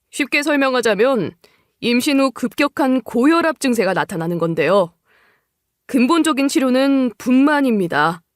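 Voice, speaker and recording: A woman playing a stern doctor who explains gravely and firmly in an audio story. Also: a little high, dry recording, clean studio sound. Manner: measured, firm explaining.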